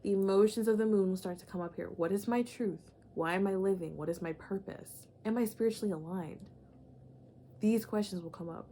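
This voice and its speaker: A woman's voice: mid-range voice, brisk, dark tone, a little hiss or hum. A woman giving a casual, emphatic spiritual monologue, repeating phrases and saying "like" and "y'all" often. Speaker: astrology channeler.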